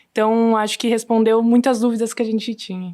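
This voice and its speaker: A woman's dark, mellow voice at a moderate pace. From Santa Catarina, southern Brazil. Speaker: cardiologist and podcast co-host. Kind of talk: casual chat. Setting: studio.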